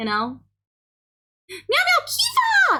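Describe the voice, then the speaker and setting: A woman's raised, projected voice moves through very wide pitch swings. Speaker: VTuber streamer. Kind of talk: casual livestream chat. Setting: livestream on laptop.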